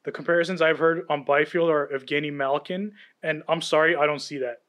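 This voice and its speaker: Brief: male podcast co-host, confident and enthusiastic analysis, voice a bit high. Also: fairly even intonation, a little fast, fairly bright tone, highs cut off. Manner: confident, breaks down players with enthusiasm. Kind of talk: casual sports chat.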